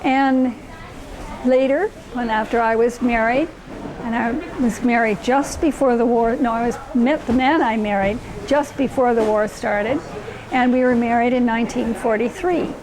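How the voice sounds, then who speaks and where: Older Hawaii-born woman, higher voice, chatter behind. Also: steady tone, normal speed, rough recording. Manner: fond and rambling, searching for words. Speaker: interviewee. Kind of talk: personal reminiscence.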